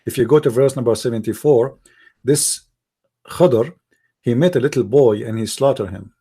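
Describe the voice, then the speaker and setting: With a husky, warm, mid-range voice at a moderate pace, this debate host, an Arabic-speaking man from the Middle East, runs a heated religious debate. He's combative and repetitive, mocking his opponent with question after question.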